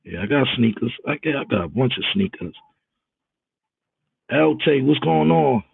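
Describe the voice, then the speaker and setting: A man's voice: mid-range voice, expressive, moderate pace, gravelly, husky, no echo. A man hosting a live stream in casual chat, greeting viewers and talking in a rambling, emphatic way straight to them. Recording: tinny phone-like audio.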